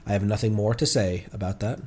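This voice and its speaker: A man streaming a game, commenting casually and musing aloud in an unhurried, giggly manner. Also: fairly low pitch, fairly even intonation, a little mellow, a little hiss or hum.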